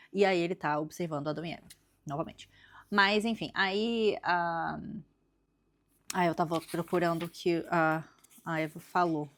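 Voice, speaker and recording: A woman with a Brazilian accent giving a casual, chatty book review, thinking aloud as she retells the story. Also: fairly low pitch. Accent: Brazilian Portuguese. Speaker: book vlogger.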